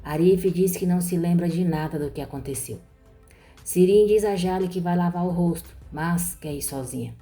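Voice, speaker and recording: A woman narrating a soap-opera recap in an even storytelling manner. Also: on the low side, moderate pace, soft background music.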